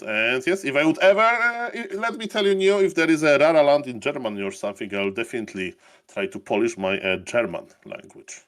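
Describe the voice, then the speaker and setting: A male esports co-caster who rambles enthusiastically and fills his talk with hesitations. His voice sits at a mid pitch. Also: fairly bright tone. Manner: rambling, filler-heavy, enthusiastic. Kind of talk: live esports casting banter.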